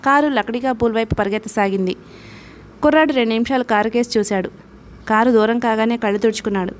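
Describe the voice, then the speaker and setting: A woman narrates a novel in a steady, even audiobook reading. Her voice sits on the higher side. A faint hiss runs beneath the recording. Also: quick pace.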